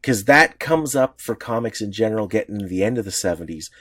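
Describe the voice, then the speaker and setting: A man co-hosting a podcast, explaining at length with many restarts and sudden lifts in pitch. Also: lively intonation, fairly quick, a bit bright, husky, dry recording, clean studio sound. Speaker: podcast co-host. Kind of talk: casual podcast discussion.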